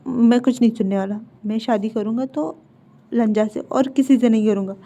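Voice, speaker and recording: A woman's voice: a little high, normal speed, mellow, natural voice. A woman voicing an anxious young man who stammers and pleads, in a dull lo-fi recording. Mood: pleading.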